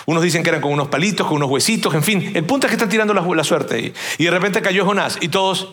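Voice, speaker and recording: A preacher delivers a casual, animated sermon. His voice sits high for a man. He slips into the voices of the people in the story as he tells it. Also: very fast. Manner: lively, acts out the sailors' and captain's lines.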